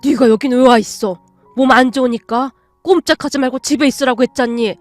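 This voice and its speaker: A woman's voice: high voice, steady tone, brisk, no room sound, soft background music, close to an everyday voice. A woman voicing an angry, protective older father-in-law who scolds in a raised voice. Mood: stern, indignant.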